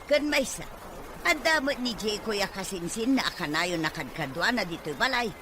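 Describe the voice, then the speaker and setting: A woman's voice: medium pitch, animated, moderate pace, noisy background, lightly acted. An actress with an Ilocano accent playing an irresponsible, defiant mother in an audio drama. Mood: defiant, annoyed. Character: irresponsible, defiant mother fond of drink and gambling. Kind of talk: Ilocano radio-style drama acting.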